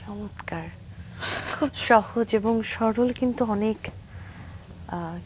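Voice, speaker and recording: A woman co-hosts a studio talk show in a mid-range voice. She asks questions and gives soft, attentive replies. A faint hum runs behind her. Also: mid-range voice, slow pace. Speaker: co-host.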